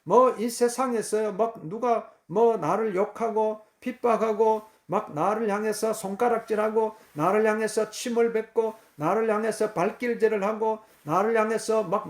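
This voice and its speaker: Fervent high-voiced male preacher. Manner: fervent, repetitive preaching with many fillers and throat clearing. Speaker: pastor. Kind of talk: sermon.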